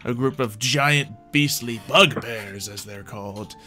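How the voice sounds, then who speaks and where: A man's voice: medium pitch, slow, sharp tone, soft background music. A man hosting a roleplay game stream, chatting casually and narrating the adventure off the cuff. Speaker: game master and stream host. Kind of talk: casual livestream chat and improvised tabletop narration.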